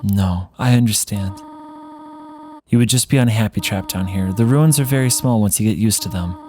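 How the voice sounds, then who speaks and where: A man voicing a gentle, sorrowful motherly monster from a video game, speaking slowly, tenderly and solemnly. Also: lowish voice, a little hiss or hum, natural voice. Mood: sad, resigned. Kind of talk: voiced read-along of game dialogue.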